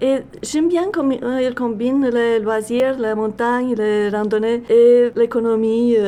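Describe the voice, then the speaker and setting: A woman speaks with a Romanian accent and fairly even intonation. Noticeable background noise runs behind her. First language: Romanian (speaking French). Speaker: professional coach. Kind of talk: interview. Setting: studio.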